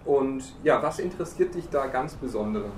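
A man's voice: mid-range voice, lively intonation, moderate pace, noisy background. A man hosting a podcast, guiding the conversation with friendly questions and summaries. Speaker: podcast host. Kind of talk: casual podcast interview. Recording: echoey room, distant from mic.

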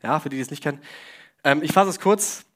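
A man's voice: on the high side, quick pace, a bit bright. Young man preaching with jokey asides. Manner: casual, joking asides, questions to the audience. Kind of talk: sermon to a congregation.

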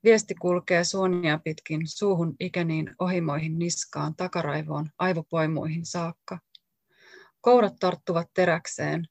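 A woman author reading her own poetry aloud in slow, deliberate short lines. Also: fairly low pitch, steady tone, vocal fry, no room sound.

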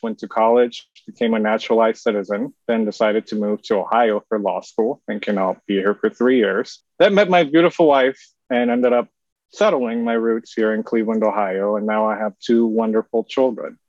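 A man from South Korea hosts a podcast with measured, polished delivery. His voice sits dry and close to the mic. The sound is a touch dull and lo-fi. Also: on the low side, steady tone, a little mellow, no room sound. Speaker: podcast host. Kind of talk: scripted podcast intro and chat. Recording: slightly dull lo-fi audio.

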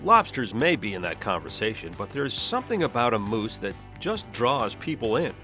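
A man's voice: medium pitch, sing-song, normal speed, pushed and bright, soft background music. A man hosting a podcast, reading scripted narration in the manner of a nature documentary. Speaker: podcast host.

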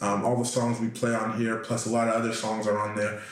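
Host: mid-pitched man, upbeat and slangy, in a very echoey room. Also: monotone, a little fast. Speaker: radio host. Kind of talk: casual radio interview.

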